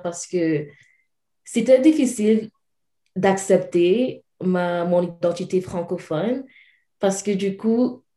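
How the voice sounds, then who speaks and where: Young woman, mellow low voice, roomy sound. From Cameroon. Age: young adult. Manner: drops English words into her French, light laughs. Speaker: podcast guest. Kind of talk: casual interview conversation.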